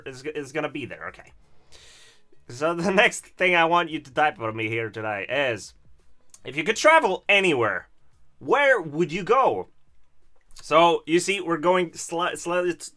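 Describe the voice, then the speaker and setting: A man's voice: a little high, sharp tone. A man, hosting a casual livestream chat and reading viewer comments in a chatty, self-deprecating way. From Sweden. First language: Swedish. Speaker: livestream host.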